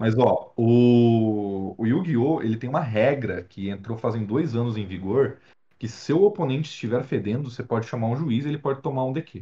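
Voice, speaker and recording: Somewhat breathy and dark, mellow in tone, a man talks at a moderate pace with medium pitch and ordinary pitch variation. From Brazil, Presidente Prudente (São Paulo state). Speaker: chef. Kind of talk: casual chat. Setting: video call.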